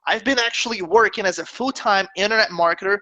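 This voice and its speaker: A man's voice: high voice, fast, pushed and bright, no room sound, muffled recording. A man in his thirties from Brazil with a Brazilian Portuguese accent, hosting a live webinar in an earnest, reassuring way, with plenty of fillers and "okay?" check-ins. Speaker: webinar host.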